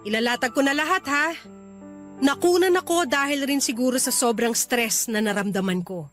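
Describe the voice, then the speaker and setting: Isang babaeng gumaganap sa dramang pag-ibig sa radyo bilang prangka at malungkot na dalagang nakikipaghiwalay sa nobyo. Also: female voice, high-pitched, moderate pace, fairly bright tone, soft background music. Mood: blunt, upset. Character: unhappy young woman bluntly breaking up with her boyfriend. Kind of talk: radio romance drama acting.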